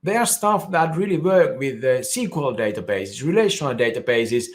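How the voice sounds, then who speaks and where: Finnish male conference speaker, explanatory technical talk with restarts, mid-pitched voice. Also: expressive, moderate pace. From Finland. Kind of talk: technical presentation.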